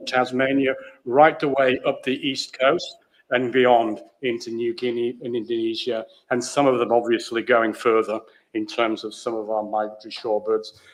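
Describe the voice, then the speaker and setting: A man from Australia with a big booming voice, giving a measured, plain-spoken talk on stage into a microphone in a large theatre. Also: low-quality recording. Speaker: conservation program leader.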